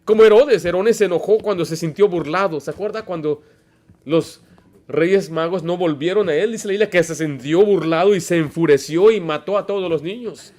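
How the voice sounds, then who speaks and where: A man's voice: high-pitched, moderate pace, darkish tone. A man, preaching a Baptist sermon as pastor, emphatic and full of stories and rhetorical questions. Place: church.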